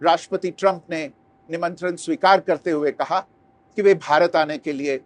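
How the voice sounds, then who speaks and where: Higher-pitched man reading a formal statement. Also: fairly even intonation, normal speed, a little hiss or hum. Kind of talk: formal scripted statement read aloud.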